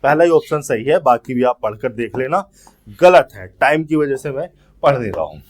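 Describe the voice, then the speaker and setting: A man with an expressive, medium-pitched voice explains English grammar step by step for exam prep. He takes his time reading the English questions aloud.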